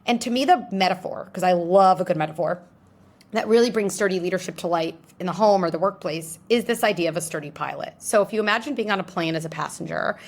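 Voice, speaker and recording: A woman being interviewed, explaining ideas in an animated way and acting out little scenarios in different voices. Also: lowish voice, fast talker. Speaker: guest psychologist. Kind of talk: interview answers.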